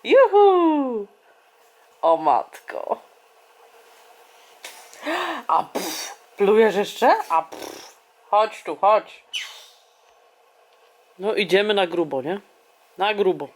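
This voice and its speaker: Excitable mother filming her baby. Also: medium pitch, slow pace, pauses often. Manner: animated, exclaiming, laughing, talking to baby. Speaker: vlogger mother. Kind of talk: casual home vlog. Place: home indoors.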